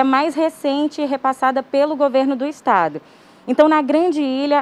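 A young woman reporting live outdoors on a handheld mic, reading figures in a clear, measured way. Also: high-pitched, darkish tone. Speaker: field reporter. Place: outdoors by a seaside avenue.

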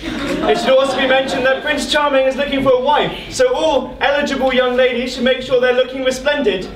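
A man as a high-voiced royal messenger. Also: little pitch movement, fairly quick, a little hiss or hum. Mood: formal. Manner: declamatory, formal. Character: formal royal messenger proclaiming a ball. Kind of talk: stage proclamation, amateur pantomime. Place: theatre stage before an audience. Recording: echoey hall, far from mic.

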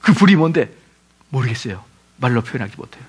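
Fast-talking, with a medium-pitched voice and a breathy edge, a middle-aged pastor delivers an animated, lecture-like sermon. He throws rhetorical questions at the audience and performs the voices he quotes.

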